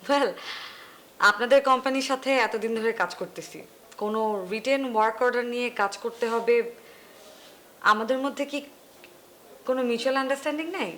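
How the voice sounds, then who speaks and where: A woman's voice: fairly high pitch, brisk, pauses often, fairly bright tone, close to an everyday voice. A woman playing a confident ad producer who defends her work, slipping into English. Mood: defensive. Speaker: ad agency producer.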